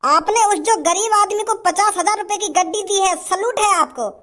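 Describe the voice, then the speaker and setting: A woman's voice: very high voice, moderate pace. A woman doing an eager TV reporter. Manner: eager, flattering. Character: eager male TV news reporter.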